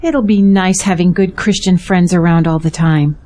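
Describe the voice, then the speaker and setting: A woman's voice: lowish voice, fairly even intonation, normal speed, mellow, natural voice. A woman acting a distressed, grateful pastor's wife in a Christian audio drama. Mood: weary, sincere. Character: distressed, grateful pastor's wife fearing for her jailed husband.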